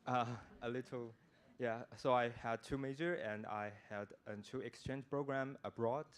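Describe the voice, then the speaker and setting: A young man from China, introducing himself casually and haltingly, with many fillers and restarts. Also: mid-range voice, fairly even intonation, clean tone.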